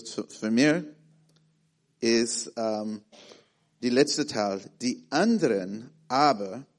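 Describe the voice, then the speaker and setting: A man in his thirties with an American accent, preaching in a halting way with many fillers and restarts as he searches for words. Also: medium pitch, darkish tone. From born in Malaysia, raised in the USA and the Philippines. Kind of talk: sermon with personal story.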